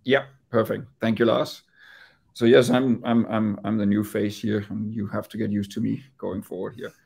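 A man's voice: on the low side, level tone, normal speed, gravelly, darkish tone, slightly rough. A man from Denmark with a Danish accent, presenting in an investor call over video, hesitant and repeating words. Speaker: company executive.

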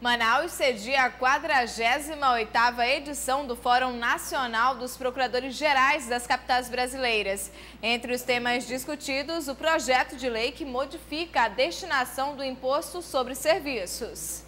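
A woman's voice: sits high, normal speed, sharp tone, slight background noise. A woman news anchor reading scripted headlines formally.

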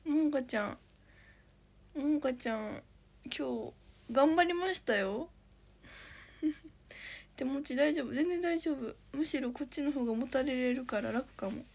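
Having had no rest overnight, a young idol trainee casually reads viewer comments on a phone livestream at home, chirpily thanking viewers and occasionally whispering. Her high voice is expressive and creaky, a little slow, with long pauses.

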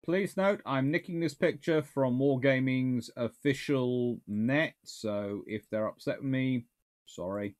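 A man's voice: mid-range voice, a little slow. Rambling bearded man in a book-lined study. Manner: rambling, self-correcting, musing aloud. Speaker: naval historian answering viewer questions. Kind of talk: casual livestream Q&A. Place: small home study lined with books.

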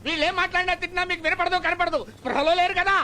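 An actor playing a cringing, scheming comic servant who whines, pleads and wisecracks. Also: male voice, very high voice, steady tone, racing, sharp tone, full character voice. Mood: wheedling. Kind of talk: comedic Telugu film dialogue. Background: film score.

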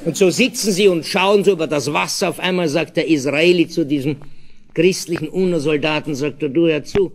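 Man, live cabaret comedian, chatty, hesitant asides, raised pitch. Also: fairly quick. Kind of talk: live cabaret joke telling.

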